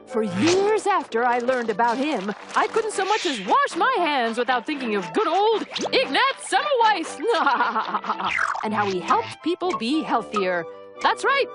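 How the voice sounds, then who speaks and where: A woman voicing a warm, chuckling grandmother who tells stories in a children's cartoon. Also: high-pitched, big pitch swings, unhurried. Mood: fond. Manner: laughing, storytelling. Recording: studio voice with music bed.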